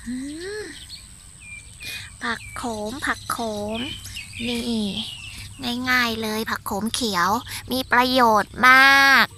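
A woman's voice: on the high side, steady tone, slow pace, noisy background. A woman with an Isan accent giving a chatty walking tour of her vegetable garden, exclaiming and talking straight to her viewers.

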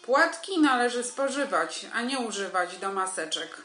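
A middle-aged woman playing a stern, dry army major in a radio comedy, questioning in a clipped, commanding, deadpan way. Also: on the high side, moderate pace. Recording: roomy home recording with music.

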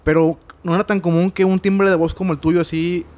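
A man hosting an interview, asking short casual questions and prompting with quick agreements. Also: high-pitched, flat delivery, a little mellow. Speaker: interview host.

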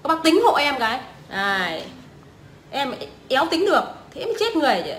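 A woman's voice: high voice, very animated, fairly quick, a bit bright, a little hiss or hum. A young woman, ranting scornfully and swearing often as a vlogger. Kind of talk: profane ranting commentary. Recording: echoey room.

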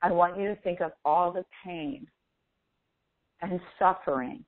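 Thin phone-like audio, dry sound, woman, mid-pitched voice, guided meditation, deliberate instructions, long pauses. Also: no room sound.

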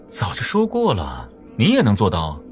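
A man's voice: fairly low pitch, huge pitch swings, slow, full character voice. A man playing a sly, teasing, sulky genius killer in an audiobook drama, with a mocking drawl. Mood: amused, superior. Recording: music playing behind the voice.

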